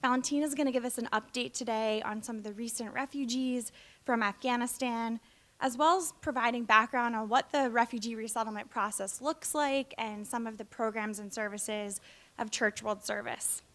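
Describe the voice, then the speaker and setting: A woman's voice: a little high, fairly even intonation, moderate pace, a bit bright. A woman hosting an event, giving a prepared welcome and introduction. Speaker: host, executive director introducing a speaker.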